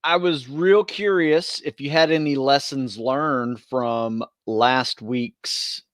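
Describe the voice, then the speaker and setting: A man's voice: medium pitch, steady tone, slow pace, dry recording. Easygoing man chatting in a dry room. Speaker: podcast co-host and fitness group trainer. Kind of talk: casual chat.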